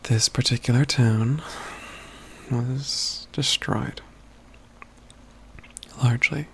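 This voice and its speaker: A man acts out an aloof, proud mage companion for an ASMR fantasy roleplay. He speaks very slowly and intimately in a gravelly, creaky voice, with formal, dryly teasing phrasing that often drops to a hush. Faint noise and ambience sit behind him. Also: mid-range voice, steady tone. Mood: grave, explanatory. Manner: formal, measured, haughty phrasing with hushed stretches.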